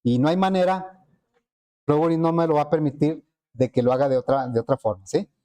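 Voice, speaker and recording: Male teacher, mellow, slightly high voice; patient classroom explainer. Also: brisk. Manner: explanatory, frequent rhetorical questions to students. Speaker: programming teacher. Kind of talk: classroom lecture.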